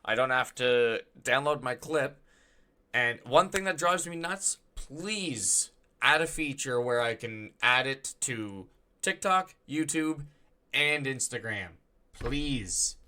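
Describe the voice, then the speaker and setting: A man's voice: mid-range voice, sharp tone. A man hosting a podcast, chatting casually and enthusiastically, with the odd swear word. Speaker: podcast host. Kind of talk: casual chat.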